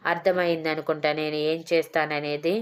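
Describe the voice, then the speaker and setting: A woman's voice: deep voice, little pitch movement, normal speed, smooth, lightly acted. A woman voicing a bold young husband who teases and mocks his shy wife, in a storybook reading. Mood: teasing.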